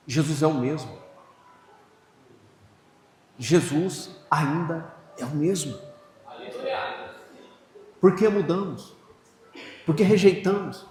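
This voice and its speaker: A man with a Brazilian Portuguese accent preaching as a pastor, telling a personal story and breaking into loud shouted prayer. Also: a little high, slight background noise. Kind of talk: sermon. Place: church hall. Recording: echoey church hall.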